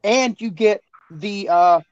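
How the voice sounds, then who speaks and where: A man co-hosting a podcast in casual chat, excitable and repeating himself. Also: high voice, slow, lo-fi sound, slight background noise. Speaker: podcast co-host.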